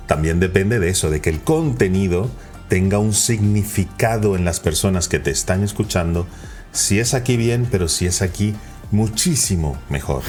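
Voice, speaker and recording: A man teaching persuasive speaking, changing his pitch and pace to stress his points. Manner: lively, varies pitch and pace for emphasis. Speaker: communication coach. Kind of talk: instructional talk on persuasion.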